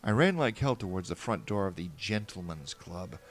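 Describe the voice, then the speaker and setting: A man's voice: sits low, lively intonation, moderate pace. A man narrating a first-person fan fiction story in a wry, earnest way.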